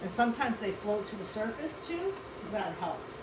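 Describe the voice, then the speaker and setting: A woman's voice: medium pitch, very animated, moderate pace. Chatty woman hosting a cooking demo. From born in South Korea, raised in Western Pennsylvania. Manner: chatty, rambling, addresses viewers as folks. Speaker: cooking show host. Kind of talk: casual cooking demonstration. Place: home kitchen. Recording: echoey room, faint noise.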